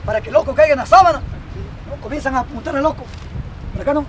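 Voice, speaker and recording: A man telling crude jokes in the street, often checking in with the crowd. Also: very high-pitched. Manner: rapid, crude, asks crowd for approval. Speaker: street comedian. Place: outdoor street. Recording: loud outdoor street crowd and traffic.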